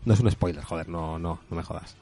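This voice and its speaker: Fast-talking Spaniard with a mellow voice. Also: male voice, low voice. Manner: animated storyteller, swears casually. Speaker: podcast co-host. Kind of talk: casual chat about video games.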